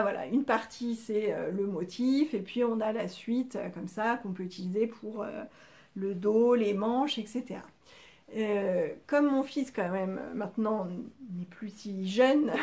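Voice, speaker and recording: A woman's voice: medium pitch, a little mellow. A middle-aged woman hosting a crafting podcast, chatting casually and rambling as she shows her sewing, with frequent hesitations. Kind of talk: casual show-and-tell chat.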